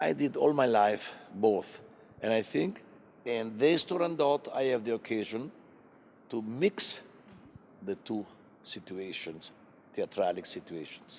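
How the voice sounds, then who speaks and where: In an Italian accent, the speaker moves at a fairly slow pace with very wide pitch swings and long, frequent pauses. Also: man, medium pitch for a man. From Italy. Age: 70s. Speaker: opera director. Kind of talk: interview.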